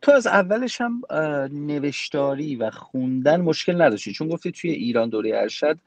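A man's voice: a little high, lively intonation, no echo. A man with an Iranian accent hosting a conversational interview, affirming and recapping as he puts his questions. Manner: affirming, recapping what the guest said. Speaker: interviewer, host.

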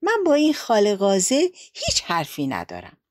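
A woman's voice: mid-range voice, wildly swooping pitch, dry recording, clean studio sound. A woman voicing a big, wise white goose who speaks in an earnest and persuasive way.

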